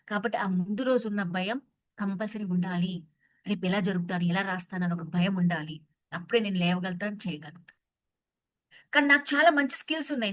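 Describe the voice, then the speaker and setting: A woman trainer lectures to a room of listeners and often turns to ask them questions. She slips English phrases into her talk. Her voice sits at an ordinary pitch for a woman and sounds dry and close, with little room sound. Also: a bit bright, no echo, low-quality recording. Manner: mixes English phrases into Telugu talk, asks the audience questions. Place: hall with a live audience.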